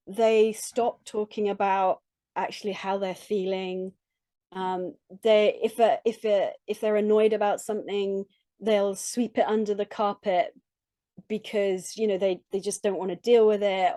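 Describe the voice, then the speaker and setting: A middle-aged woman coach talks with a mellow, warm voice in a dry, close recording. She is earnest and reflective, building her points in short halting phrases with restarts. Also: medium pitch, fairly even intonation, no room sound. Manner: earnest, reflective, with frequent soft laughs. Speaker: relationship coach, podcast guest. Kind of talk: conversational interview.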